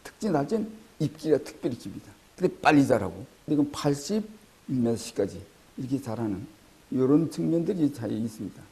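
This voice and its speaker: Very dark-voiced North Korean man explaining. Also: medium pitch, sing-song, brisk, vocal fry, rough recording. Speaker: forestry researcher. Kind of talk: explanatory interview answer.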